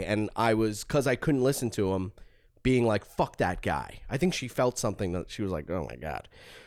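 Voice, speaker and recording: In a very clean recording, silent background, a man with an American accent and an unremarkable speaking voice talks at a fairly quick pace with lively intonation. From Long Island, New York. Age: 30s. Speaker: comedian. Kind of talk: casual chat.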